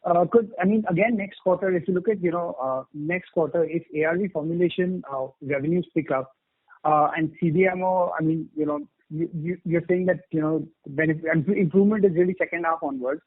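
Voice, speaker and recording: A man asks questions as an analyst on a conference call. His voice is a bit high and quick, heard through a muffled phone line. He rambles and often rephrases midway. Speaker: investor or analyst asking questions.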